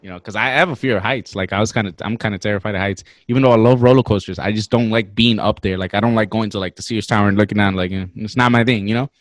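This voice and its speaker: A man's voice: on the low side, fast, few pauses, no echo. Slangy young man telling a story. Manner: animated, slangy, swears freely. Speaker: podcast guest. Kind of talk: casual storytelling.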